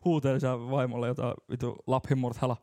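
A man's voice: mid-range voice, flat delivery, a little mellow. A man co-hosting a casual podcast chat, telling rambling stories and laughing often. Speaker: podcast co-host.

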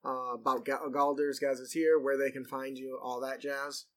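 Bright-voiced male podcast host. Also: mid-range voice, flat delivery, normal speed. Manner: rambling, self-interrupting, chuckles often. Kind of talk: casual tabletop gaming podcast chat.

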